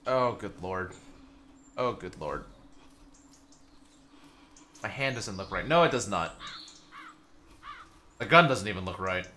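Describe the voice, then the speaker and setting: A young man talks over a survival game he is playing, cracking jokes and swearing freely. His voice is bright and lively, leaping up and down in pitch, and he bursts out loud when startled. A faint hiss sits under the recording. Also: slow, long pauses. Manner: joking, swearing, loud outbursts. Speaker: gaming YouTuber. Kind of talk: let's play commentary.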